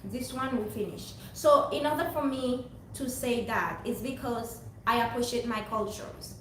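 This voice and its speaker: A woman's voice: a little high, unhurried, fairly bright tone. A young woman from Haiti, talking to her viewers in a rambling, earnest, preachy monologue. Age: young adult. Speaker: vlogger. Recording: very echoey room, distant mic, faint noise.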